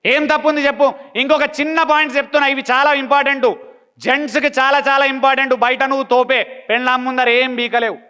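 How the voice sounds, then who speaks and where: A man's voice: very high voice, level tone, a little fast, sharp tone. A man giving a blunt motivational talk, full of repeated rhetorical questions. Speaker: motivational speaker.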